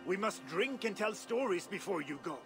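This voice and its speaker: An actor playing an aging Viking king turned Christian, slow and gentle in manner, laughing often in a video game cutscene. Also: high-pitched, expressive, gravelly, over music. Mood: calm.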